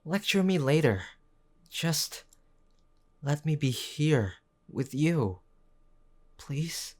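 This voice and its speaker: A man playing a gruff but tender tsundere boyfriend in an intimate audio roleplay, speaking in a halting, earnest way. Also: on the high side, big pitch swings, pitched above the performer's own voice, exaggerated voice. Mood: scared, vulnerable. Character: gruff young tsundere boyfriend, worried, stubborn, tender underneath.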